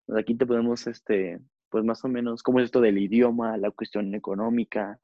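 A man's voice: medium pitch, fairly even intonation, fairly quick, no echo. A young man with a Mexican accent hosts a casual podcast. He rambles along with plenty of fillers. The recording is dry and a little muffled. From Zacatecas, Mexico. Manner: chatty, rambling with many fillers. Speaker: podcast host. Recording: dull, lo-fi.

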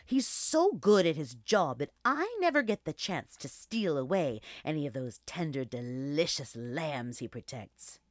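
A woman's voice: low voice, big pitch swings, measured pace, few pauses, no room sound, studio quality. A woman voicing a sly, mischievous aging female wolf in a children's storybook, teasing and persuasive. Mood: scheming.

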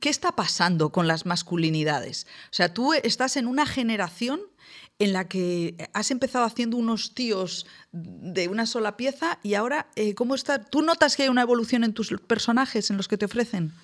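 A woman's voice: a little high, lively intonation, moderate pace. A woman hosting an interview, chatty and enthusiastic, with frequent fillers. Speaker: interviewer, host. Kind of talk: conversational interview.

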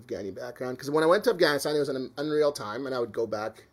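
A man's voice: mid-range voice, lively intonation, fast talker. A Canadian man telling stories in a casual podcast chat, rambling with plenty of "um" and "like". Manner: chatty, rambling with many fillers.

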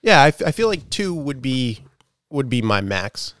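Lively wisecracking man in his thirties. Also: mid-range voice, moderate pace, dry recording, clean studio sound. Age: 30s. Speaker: podcast co-host. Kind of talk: casual chat over beers.

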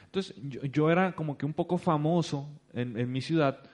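Speaking at an ordinary pace in a fairly high voice, this business speaker has a Mexican accent. He addresses an audience with a story, bringing its characters to life by performing the people he quotes.

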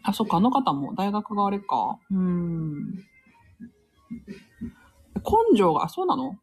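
A woman's voice: mid-range voice, huge pitch swings, a little slow, a little mellow, breathy edge, faint music behind. A woman hosting a casual live stream, chatting, laughing often and reading listener comments aloud.

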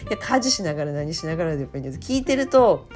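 A woman's voice: sits low, sing-song, rapid-fire, a little mellow, faint music behind. A woman hosting a casual talk show, chatty with frequent fillers and laughter. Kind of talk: casual chat.

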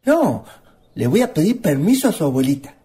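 A smitten Chilean country suitor in a radio play. His husky voice swings widely up and down, while his manner stays polite and playful. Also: a little high, sing-song, a little fast, dark tone, full character voice. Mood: flirtatious. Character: courteous, smitten country man courting a shy woman.

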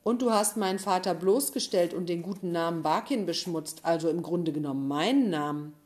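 A woman's voice: fairly low pitch, brisk, darkish tone, close to an everyday voice. Woman doing a smug bullying schoolboy. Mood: smug threatening. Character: boastful bullying schoolboy, threatening.

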